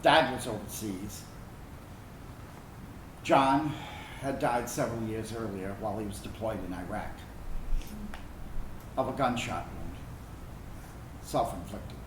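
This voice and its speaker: A man acting in a staged reading as a reflective, wounded but tender gay son of a military family, telling a personal story earnestly and haltingly. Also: fairly low pitch. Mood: somber. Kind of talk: dramatic monologue reading of a personal narrative. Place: indoor room, staged reading. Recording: echoey room, distant mic, background noise.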